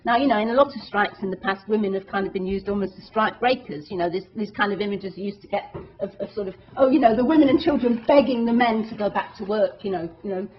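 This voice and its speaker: A woman's voice: medium pitch, quick pace, few pauses. A woman activist giving a public talk to an audience, speaking earnestly and emphatically, with many restarts. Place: meeting hall. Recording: dull lo-fi talk recording.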